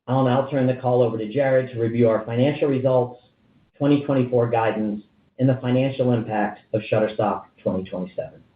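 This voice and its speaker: A man in the role of a chief executive gives a formal, measured reading of prepared remarks on an earnings call. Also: mid-range voice, fairly even intonation. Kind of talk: scripted earnings call presentation. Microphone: conference call phone line. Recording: tinny, echoey conference phone line.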